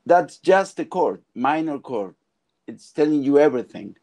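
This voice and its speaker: A middle-aged man from Argentina, a film composer, talking on a video call from his home studio with halting phrasing and many restarts. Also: a little high, animated, darkish tone. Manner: halting, searching for words, frequent restarts. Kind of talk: casual video call interview. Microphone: earphone mic on video call.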